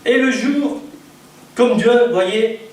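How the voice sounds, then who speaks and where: A high-voiced male evangelist preaches to his congregation, telling his story with laughter and acted-out voices. He sounds far from the microphone in a very echoey church hall, with faint noise behind him. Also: takes it slowly, darkish tone. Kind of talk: sermon with personal testimony.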